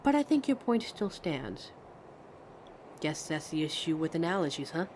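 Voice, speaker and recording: A woman's voice: low-pitched, normal speed. A woman playing a pensive, friendly train passenger in a conversational ASMR roleplay, musing hesitantly as she talks to a stranger. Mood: reflective. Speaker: audio roleplay performer. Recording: steady train ambience noise. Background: train ride sound effects.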